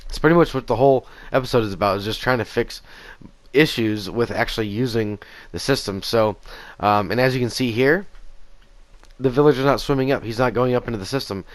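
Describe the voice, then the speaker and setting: A man in his thirties with a raspy voice after a concert, casually talking through gameplay footage on a headset in a small home room. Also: medium pitch, a little fast, no echo. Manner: easygoing, rambling with fillers and restarts. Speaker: gaming channel host. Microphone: gaming headset.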